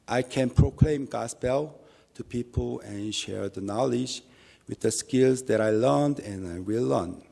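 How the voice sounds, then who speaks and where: A man with a Korean accent gives a church testimony in English, speaking slowly and with real care. His voice is mellow and carries a gravelly edge, and he restarts phrases now and then in an earnest, halting way. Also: medium pitch. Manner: earnest, halting, measured delivery with small restarts. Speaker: lay minister giving testimony.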